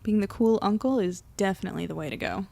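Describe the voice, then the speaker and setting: A woman's voice: mid-range voice, fast talker, gravelly, warm tone, no echo, lightly acted. An actress playing a friendly, talkative, wry young woman in a naturally acted audio drama. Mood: amazed.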